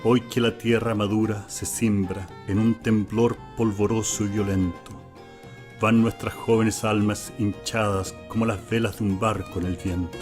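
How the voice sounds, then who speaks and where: A man reciting poetry in a declamatory, flat delivery. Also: lowish voice, unhurried, over music.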